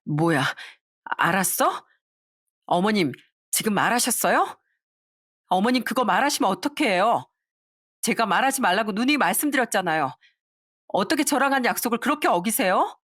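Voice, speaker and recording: A woman's voice: mid-range voice, expressive, moderate pace, pauses often, fairly bright tone, no echo, clean studio sound, pitched above the performer's own voice. A woman voicing a sly, defensive young wife with a sweet, evasive tone. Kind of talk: storytelling voice acting.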